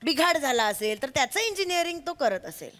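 A woman's voice: high voice, sing-song, brisk, a bit bright. An actress playing a naive, doting middle-aged mother in a stage comedy sketch, innocent and pleading in manner.

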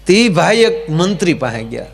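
A man's voice: high-pitched, very animated, normal speed, vocal fry. A man, a folk comedian telling jokes on stage in a dry, rustic village way. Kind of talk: stage joke storytelling.

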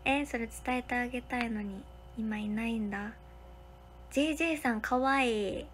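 A woman's voice: on the high side, normal speed, a little hiss or hum. Chatty young woman. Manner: chatty, thanks viewers one by one, drops into soft whispers. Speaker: livestream host. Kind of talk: casual livestream chat, reading viewer comments. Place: hotel room.

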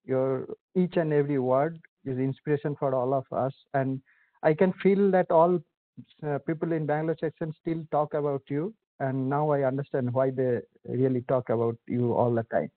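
A man's voice: medium pitch, steady tone, moderate pace. A man with an Indian English accent moderating a session and introducing speakers respectfully, hesitating with many uhs. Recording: phone-like video call audio.

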